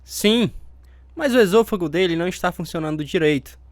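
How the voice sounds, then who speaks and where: Radio drama doctor, Brazilian accent, higher-pitched, sober and formal, very dry sound. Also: male voice, lively intonation, a little fast, dry recording. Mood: grave. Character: grave, matter-of-fact male family doctor. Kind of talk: dramatized radio story acting.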